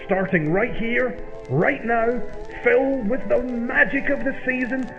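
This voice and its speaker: Music runs behind a dull radio recording of a man playing a kindly housemate. His high voice is earnest and good-natured, in the manner of old-time radio comedy. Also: a little slow. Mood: earnest, sentimental. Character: kindly, earnest, forgiving housemate, easily moved to speeches.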